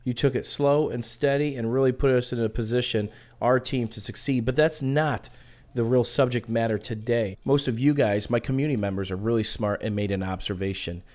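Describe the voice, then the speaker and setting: A short-winded man with a smoker's rasp and audible breathing, casually telling personal stories over video game commentary. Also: mid-range voice, brisk, darkish tone. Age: adult. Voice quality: raspy smoker's-cough sound. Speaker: gaming video host.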